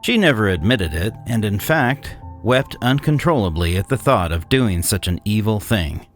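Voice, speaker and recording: A man playing a cynical, disdainful 1800s swindler, narrating a gothic horror tale in a measured, condescending way. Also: lowish voice, expressive, soft background music, lightly acted. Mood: grim, detached. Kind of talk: scripted dramatic horror narration.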